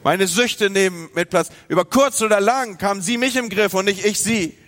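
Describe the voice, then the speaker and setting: A pastor from northern Germany preaches a sermon in a voice that sits high, at a moderate pace. He is lively, addresses his listeners directly, and acts out their inner voices.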